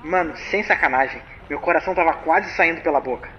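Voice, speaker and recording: A man's voice: fairly high pitch, brisk, dull audio, a little hiss or hum, natural voice. An actor playing a frightened young man who tells his story in slangy, breathless bursts. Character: scared young man leaving voicemails.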